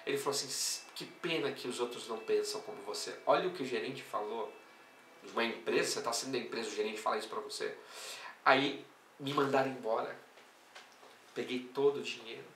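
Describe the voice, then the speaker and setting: A man with a Brazilian Portuguese accent teaching a theology class as a preacher, swinging between loud exclamations and quiet storytelling. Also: medium pitch, brisk, a little hiss or hum. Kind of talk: sermon-style teaching. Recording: echoey room, voice somewhat far from the mic, faint music.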